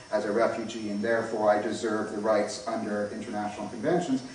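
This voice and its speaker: A man's medium-pitched voice with an American accent at a very fast pace, fairly even in intonation, amid noticeable background noise and audible room echo. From North America. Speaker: lecturer on privacy and technology. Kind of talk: lecture.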